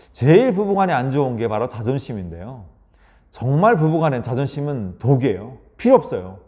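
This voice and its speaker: A man giving a lecture on communication between married couples, acting out short spousal exchanges and often asking listeners to agree. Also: dark tone. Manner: acts out short spousal dialogues with exaggerated pitch; frequently seeks agreement from listeners. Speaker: leadership lecturer.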